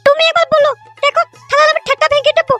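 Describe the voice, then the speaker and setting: A woman voicing a cheeky, scheming little boy in a comedy cartoon, whiny and excitable. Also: extremely high pitch, racing, faint music behind. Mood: whiny, defiant.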